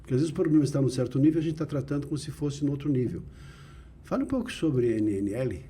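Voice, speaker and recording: A man's voice: mid-range voice, lively intonation, quick pace, mellow, slight background noise. A middle-aged man hosting an interview, asking questions and affirming his guest often. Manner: affirming, frequent agreeing interjections. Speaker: interview host. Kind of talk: casual interview chat.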